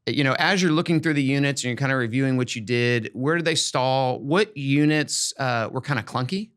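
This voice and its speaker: A man's voice: mid-range voice, fairly quick, fairly bright tone, smooth. A man hosting a podcast, chatting casually and giving encouraging, emphatic, folksy advice about teaching. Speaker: podcast host and education expert.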